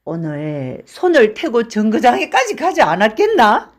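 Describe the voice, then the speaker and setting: A woman's voice: on the high side, huge pitch swings, a little slow, voice pushed up, full character voice. A boisterous drunken rickshaw man of middle age, bellowing and slurring his words, as a woman acts him out. His voice leaps up and down wildly from boast to sob. A storybook reading brought to life. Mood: boastful storytelling. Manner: shouting, slurred drunken bluster.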